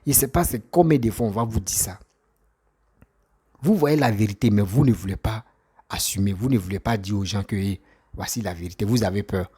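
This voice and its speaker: An impassioned man from Côte d'Ivoire, whose first language is an African language rather than French, delivers a political monologue answering his critics. His voice is low, husky, and warm, at normal speed. He is emphatic and repetitive and leans on rhetorical questions.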